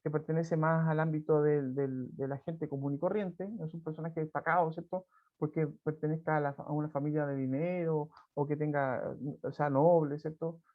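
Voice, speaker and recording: A man's voice: a little high, steady tone, normal speed. Chilean man teaching over a dull call. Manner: conversational, frequent tag questions and restarts. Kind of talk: online class, reading and explaining a folk tale. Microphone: video call. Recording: dull lo-fi video call audio.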